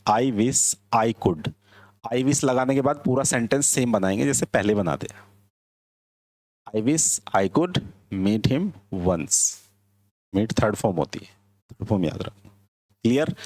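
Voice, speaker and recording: A man teaching English in a classroom lecture, explaining slowly and asking his students whether they understand. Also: on the low side, no room sound.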